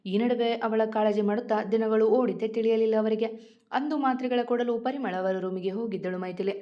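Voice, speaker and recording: A woman reading her own story aloud as a narrator, steady and expressive. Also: a little high, a little fast, dull audio.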